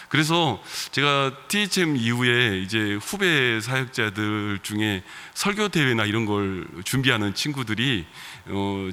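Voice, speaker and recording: A male pastor with a bright, forceful voice and a regional Korean dialect accent preaches to his congregation in a relaxed, conversational way, dropping in soft laughs and fillers. His voice rings out with the long reverb of a church sanctuary. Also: medium pitch. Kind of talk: sermon.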